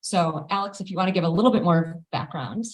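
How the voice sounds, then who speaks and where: Woman moderator, low pitch, upbeat, welcoming, fillers, live event room. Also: fast, low-quality recording. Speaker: panel moderator. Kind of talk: hosting a live panel. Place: event space with live audience.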